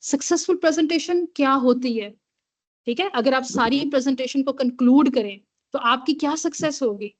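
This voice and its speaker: High-voiced woman lecturing online. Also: normal speed. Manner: code-switching, repeats "theek hai?" to check in with listeners. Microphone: computer mic on a video call. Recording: dull lo-fi video call audio.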